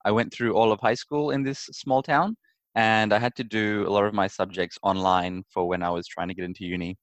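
A young man from Perth, Australia, answering interview questions in a friendly, relaxed way and repeating words as he thinks. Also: on the low side, brisk, no echo. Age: young adult. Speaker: interview guest, startup founder. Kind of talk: conversational interview.

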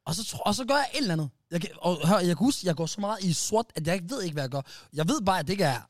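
A man's voice: high-pitched, no echo, clean studio sound. A man hosting a casual podcast, telling a story with lots of restarts and like "bro", in phrases. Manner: animated storyteller, many restarts, slang like "bro" and "wallah". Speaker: podcast host.

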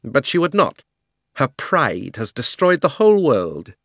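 A man's voice: medium pitch, sing-song, measured pace, fairly bright tone, slightly rough, dry recording, clean studio sound, voice pushed up, full character voice. A man voicing a proud, cruel and haughty queen of enormous height, speaking in an imperious, declamatory way.

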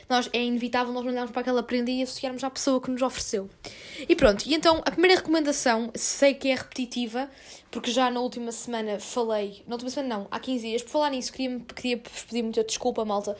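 A woman aged twenty, chatting casually and informally as a solo podcast host, with youthful slang. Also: fairly high pitch.

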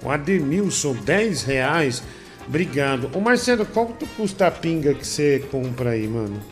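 Male comedy host, rambling, joking, slightly high voice, soft music behind. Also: big pitch swings, moderate pace. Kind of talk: reading superchats, bantering.

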